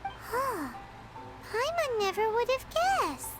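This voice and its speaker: Brief: squeaky chirpy fairy sidekick for a game, wildly lively pitch, music bed. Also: female voice, slow, full character voice. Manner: bubbly, exclaiming, refers to herself by name. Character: tiny floating fairy companion, chirpy and curious. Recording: game audio with music behind.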